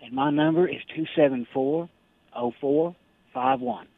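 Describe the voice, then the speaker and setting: Caller: polite man over the phone, gravelly and husky, tinny line. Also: on the high side, sing-song, a little slow, no room sound. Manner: polite, brief, says sir. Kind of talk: call-in radio listing.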